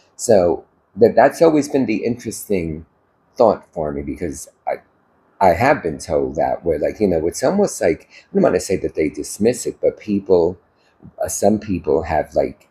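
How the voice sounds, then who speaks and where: Speaking at a moderate pace, a man talks in a New York accent. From New York City, the Bronx. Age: 60s. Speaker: vlogger. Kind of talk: casual storytelling monologue. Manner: conversational, many fillers.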